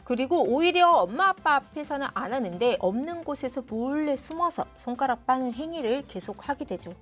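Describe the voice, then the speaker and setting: A woman's voice: high-pitched, expressive, a little fast. Middle-aged woman giving parenting advice. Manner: friendly explanatory, addresses viewers directly. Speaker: parenting channel host. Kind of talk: advice talk to camera. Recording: soft music underneath.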